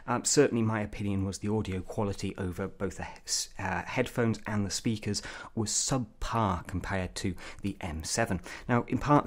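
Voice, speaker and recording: A man giving an opinionated gadget review as a tech reviewer, putting emphatic stress on key words. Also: on the low side.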